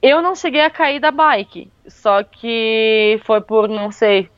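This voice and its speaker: Woman, casual storytelling, lively and chatty, slightly high voice, dull dry recording. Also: slow pace, clean tone, dry recording. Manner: lively, with many fillers like "tipo" and "meu". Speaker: guest telling a travel story.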